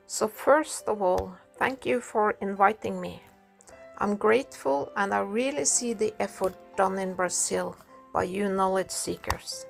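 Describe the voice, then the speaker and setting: Norwegian woman with a gravelly edge. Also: mid-range voice. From Norway. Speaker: council member giving a talk. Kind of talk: prepared talk, read aloud.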